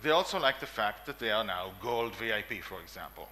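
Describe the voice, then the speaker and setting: A man's voice: on the low side, lively intonation, brisk, sharp tone. Israeli man giving a conference talk. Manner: emphatic, repeats lists, frequent coughs and fillers. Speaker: conference speaker. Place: conference room, indoors.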